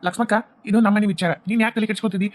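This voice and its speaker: Brief: curt village son, put on by a woman, North Karnataka accent, fast and low, for a cartoon. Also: fairly even intonation, lightly acted. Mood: dismissive. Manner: curt, dismissive. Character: gruff adult village son, dismissive.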